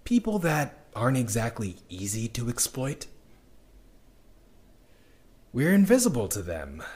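A slow-talking, weary young dystopian rebel. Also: male voice, medium pitch. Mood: wry, subdued. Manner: reflective, halting, with sardonic little laughs and sighs. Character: weary, wry young underground dweller in a doomed dystopia. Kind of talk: audio drama monologue, intimate and conversational.

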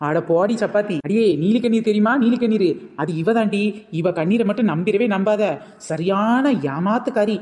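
A woman's voice: medium pitch, moderate pace, darkish tone, long reverb tail. A woman with a Kanyakumari Tamil accent, mocking and sassy in a comic family skit.

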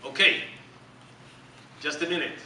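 Middle-aged Israeli-accented presenter, bright and emphatic, heard from the audience in a big echoey hall. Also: male voice, a little high, unhurried, far from the mic, slight background noise. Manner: animated, joking, emphatic and repetitive. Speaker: company executive presenting on stage. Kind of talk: keynote presentation. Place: large dark conference hall with audience.

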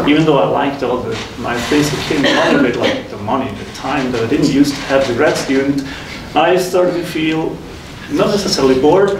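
A man in his thirties from Switzerland, a faculty guest recounting his career path in a measured, reflective way. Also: mid-range voice. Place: lecture room with whiteboards. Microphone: room mic from a distance. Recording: echoey room, distant mic, noisy.

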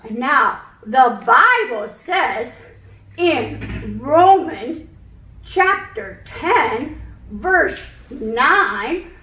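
A woman's voice: sits high, pushed and bright, heavily acted. A woman voicing an elderly puppet teacher who explains things patiently and earnestly, in an emphatic preacherly way, for a children's puppet show. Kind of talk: children's puppet show, scripted Bible lesson. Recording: roomy echo, distant microphone.

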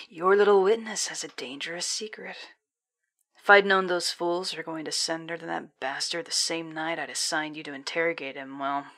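Audio drama villain: actress as menacing spy commander woman, lowish voice, imperious and mocking. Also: fairly bright tone. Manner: condescending, taunting, menacing.

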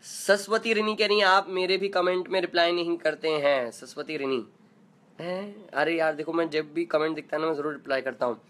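A man's voice: on the high side, fairly even intonation, fairly quick, fairly bright tone. A man chatting playfully and non-stop in a casual live video chat, reading out comments as a singer host. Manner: playful, joking.

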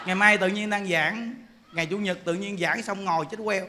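High-voiced joking monk. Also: male voice, brisk, noisy background. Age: 40s. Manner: animated, joking storyteller. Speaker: Buddhist monk teacher. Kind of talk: sermon.

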